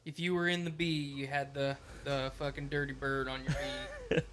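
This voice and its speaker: A young man hosting a podcast, chatting casually with crude, deadpan jokes. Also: mid-range voice, moderate pace. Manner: joking, crude, deadpan asides. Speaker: podcast host.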